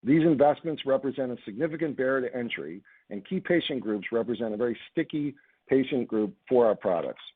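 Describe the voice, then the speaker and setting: A man's voice: medium pitch, expressive, brisk, husky, narrow, tinny audio. A man delivering scripted remarks on an earnings call as a company executive, formal and businesslike. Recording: thin phone conference line.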